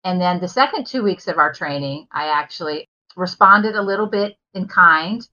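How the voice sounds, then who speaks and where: A woman's voice: on the low side, normal speed, pushed and bright. Earnest middle-aged woman on lo-fi audio. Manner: open and earnest, with fillers. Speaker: podcast guest, life coach. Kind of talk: candid interview storytelling. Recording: dull lo-fi remote audio.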